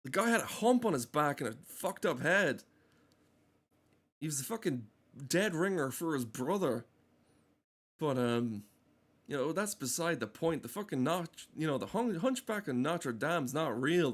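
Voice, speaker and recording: A man rambling casually as a game streamer, swearing often and ranting in a mock-earnest way. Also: on the high side. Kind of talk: casual rambling livestream commentary.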